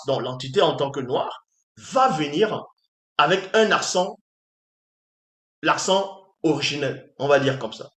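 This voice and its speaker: A spiritual teacher with a slightly high, somewhat bright voice preaches emphatically and repetitively, often throwing rhetorical questions at his listeners. The recording has a roomy echo.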